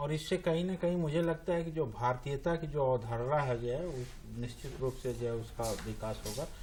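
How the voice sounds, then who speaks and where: A man with a Bihari accent, fairly high pitch and ordinary pitch variation. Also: moderate pace. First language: Bhojpuri (speaking Hindi). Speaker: Hindi scholar, panelist. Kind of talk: panel discussion. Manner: halting, many fillers.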